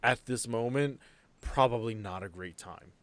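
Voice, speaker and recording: A man's voice: medium pitch, unhurried, no echo. A man improvising casual, descriptive narration as the game master of a tabletop game.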